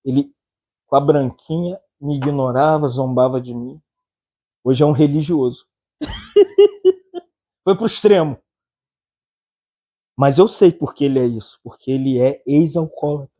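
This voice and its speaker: A man's voice: fairly high pitch, animated, a little slow, long pauses, warm tone. A man with a Brazilian accent preaching a humorous sermon, joking, laughing often and acting out anecdotes.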